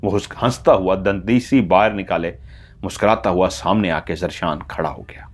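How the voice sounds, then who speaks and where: Male horror storyteller, lowish voice, dramatic scripted narration. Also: moderate pace.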